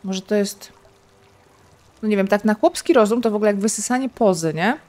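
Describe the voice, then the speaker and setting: A woman's voice: mid-range voice, a little fast, a little mellow. Chatty woman narrating her gameplay. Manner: chatty, thinks aloud, playful sound effects. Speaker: gaming streamer. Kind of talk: casual let's-play commentary.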